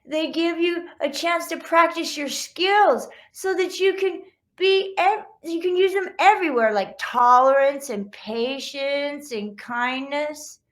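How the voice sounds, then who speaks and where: A high-pitched mother dog from a children's storybook , played by a woman reading aloud. She counsels her squabbling pups in rhyme, firm but loving, with a patient and instructive manner. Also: takes it slowly, hardly any pauses, fairly bright tone. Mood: gentle, instructive. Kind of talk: children's picture-book read-aloud.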